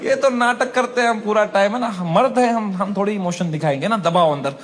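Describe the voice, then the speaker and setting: A male stand-up comedian tells a story in an animated, mocking way, swinging between hushed lines and shouted asides. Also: high-pitched, fairly quick.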